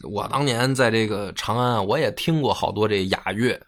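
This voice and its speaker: A history storyteller with a fairly low voice talks at a normal pace, recounting the past in colloquial, slangy language. It has the feel of a casual storytelling chat.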